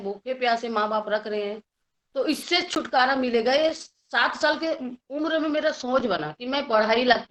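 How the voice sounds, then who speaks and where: A woman's voice: sits high, a bit bright. A woman with a Chhattisgarhi accent, speaking as a guest and telling her life story earnestly, acting out the voices of the people she quotes. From Chhattisgarh, India. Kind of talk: personal life story talk. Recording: dull lo-fi recording.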